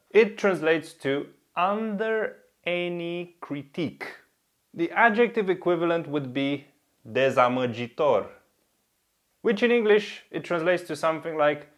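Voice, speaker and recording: A man whose first language is Romanian, presenting a scripted language lesson in English, upbeat and teasing, laying out the steps one by one. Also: mid-range voice. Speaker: language teacher.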